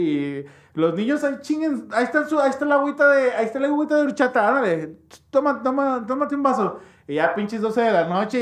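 Slangy young Mexican man telling stories. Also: high-pitched. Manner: slangy, animated, mimics voices in quotes. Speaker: storyteller. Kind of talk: casual chat.

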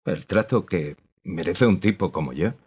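An actor playing an old music master in prison, speaking in curt, weary replies with a husky voice. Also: male voice, deep voice, moderate pace, darkish tone. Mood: resigned. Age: older. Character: old imprisoned music master, disgraced and resigned.

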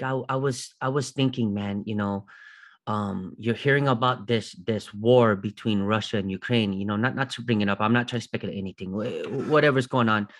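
A middle-aged man of Filipino heritage in casual podcast chat, animated and rising in pitch when he makes a point.

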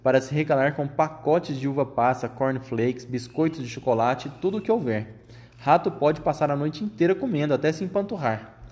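A clever young boy turned into a mouse, talking calmly and persuasively in a slightly raised voice, as a man reading a storybook puts him on. He reasons patiently and urges his friend on. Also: fairly high pitch, moderate pace, close to an everyday voice. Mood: reasoning.

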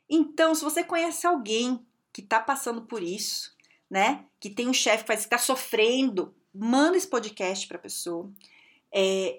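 A woman's voice: mid-range voice, a bit bright. A woman with a Brazilian Portuguese accent hosting a podcast, giving career advice in a direct, conversational way and checking in with the listener often. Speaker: podcast host and career adviser.

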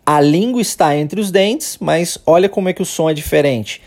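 A man's voice: fairly high pitch, a little mellow. Brazilian man teaching English pronunciation. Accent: Brazilian Portuguese. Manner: explanatory, repeats "tá?" and demonstrates sounds slowly. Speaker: English teacher, podcast host. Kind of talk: podcast language lesson.

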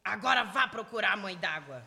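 A man playing a sly man-eating cave monster in a Brazilian radio play, with a croaky voice and teasing manner. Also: high voice, expressive, a little fast. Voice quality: croaky, creaky. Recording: loud music behind, long reverb.

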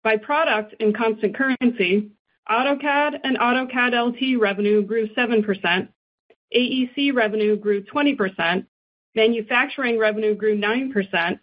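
A woman finance executive reading a scripted earnings presentation in a formal, measured way. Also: a little high. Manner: formal, measured business delivery. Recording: dull, band-limited conference call audio.

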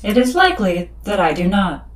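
A woman's voice: mid-range voice, very animated, normal speed, close to an everyday voice. A woman playing a formal, literal-minded shipboard computer assistant in an audio drama, speaking precisely. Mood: literal, matter-of-fact.

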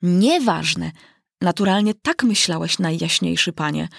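A woman's voice: on the low side, animated, a little slow, gravelly, husky, no room sound, clean studio sound, exaggerated voice. Woman doing a fawning white rabbit. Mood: servile.

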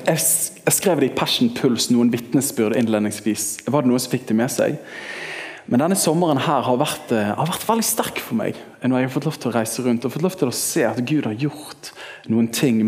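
A thirty-year-old man preaching at a church service as pastor, telling stories in a lively way and leaping up in pitch when excited. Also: in a large hall. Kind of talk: sermon.

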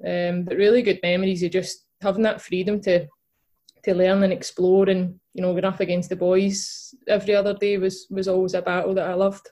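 A young footballer and podcast co-host from Scotland is a guest in an easygoing interview, speaking Glaswegian with plenty of fillers and restarts. Her fairly low voice is warm and brisk, with little pitch movement.

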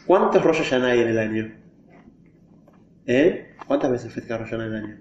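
A male teacher leads a classroom lesson, explaining ideas step by step and throwing questions to the class. His voice sits at an ordinary middle pitch. The recording is dull and lo-fi, with a roomy echo. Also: animated, a little fast, darkish tone, a little hiss or hum. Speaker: religion teacher. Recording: echoey, dull lo-fi room recording.

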